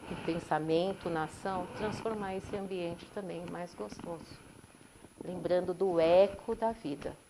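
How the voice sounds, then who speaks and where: A woman's voice: on the low side, background noise. A middle-aged woman giving a sermon, telling a little story and asking the listeners questions. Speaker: spiritist talk speaker.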